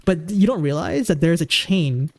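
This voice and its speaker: A man's voice: a little high, expressive, normal speed. Goofy rambling streamer guy in his twenties. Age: 20s. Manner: rambling, full of fillers and restarts; goofy, easygoing. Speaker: livestreamer. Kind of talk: casual livestream chat.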